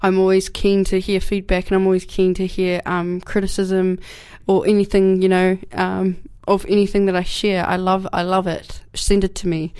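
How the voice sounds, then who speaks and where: Broadcasting from a radio studio despite a cold, this young woman from New Zealand chats alone on her community show, rambling casually, restarting often, using many fillers, and laughing a lot. She speaks in New Zealand English with a smooth, darkish, mid-range voice, monotone at a normal speed.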